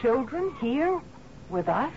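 An actress playing a dutiful, uneasy housekeeper in a radio drama, questioning yet deferential. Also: female voice, high voice, very animated, takes it slowly, heavily acted. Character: wary, dutiful female housekeeper and companion to a captain. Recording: muffled, hissy old radio broadcast.

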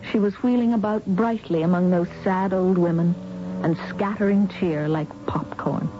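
An actress playing an earnest, compassionate, defiant young clinic worker in a radio drama, with emotional delivery. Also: female voice, on the low side, fairly even intonation, normal speed, lightly acted. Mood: downcast narrating. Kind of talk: radio drama acting and narration. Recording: dull, noisy old radio broadcast.

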